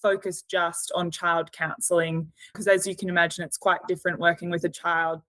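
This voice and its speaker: A woman in her thirties from Australia, with an Australian accent, is a podcast guest in a casual interview chat. Her voice is lowish, bright and forceful, delivered flatly at a moderate pace, and she hedges a lot with "sort of" and "you know." The recording is dry.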